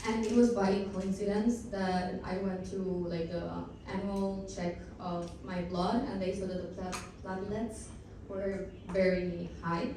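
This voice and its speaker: A woman's voice: medium pitch, flat delivery, a little slow, background noise. A woman, telling her personal story as a patient on a panel, chatty and full of fillers. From Costa Rica. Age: 20s. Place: conference hall. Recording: echoey hall from far off.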